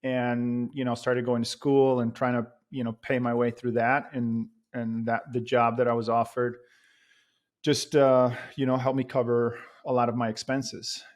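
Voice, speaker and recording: A man in his forties from Venezuela tells his story at an easy, relaxed pace. He fills his talk with "um" and "dude" and keeps it casual. He speaks close into a boom mic in a studio, at an ordinary mid pitch. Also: normal speed. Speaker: podcast host and guest. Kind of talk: casual interview chat. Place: studio with a bright neon sign on a plain wall.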